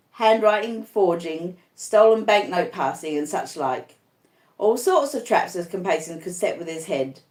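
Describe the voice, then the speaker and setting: A woman narrating an audiobook as a rough old convict, confiding his past in plain, uneducated, rustic speech. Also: mid-range voice, a little mellow, roomy sound, close to an everyday voice. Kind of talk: audiobook first-person narration.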